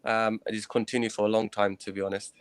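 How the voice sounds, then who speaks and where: A man's voice: on the low side, little pitch movement, smooth, no echo. Earnest, hesitant man in his thirties. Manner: earnest, hesitant, frequent pauses and restarts. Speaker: guest, former professional cricketer. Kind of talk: recounting personal experiences in an interview.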